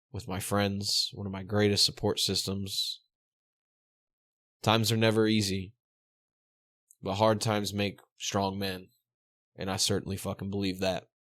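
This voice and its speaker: Laid-back, low-voiced male game master. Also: fairly bright tone, dry recording. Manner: laughs often, swears casually. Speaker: game master and podcast host. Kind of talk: narrating a tabletop game.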